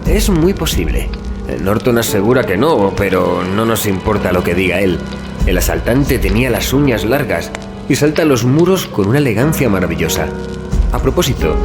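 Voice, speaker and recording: A gossipy young student in an audio drama. His voice sits fairly low, and he tells things in a wry, conversational way, with music clearly behind him. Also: animated, moderate pace. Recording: dialogue over clear background music.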